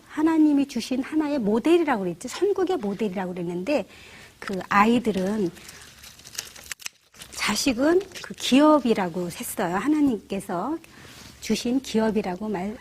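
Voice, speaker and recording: A middle-aged woman teaching church flower arranging, explaining each step gently and often asking the viewer rhetorical questions. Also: fairly high pitch, slight background noise. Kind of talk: instructional demonstration.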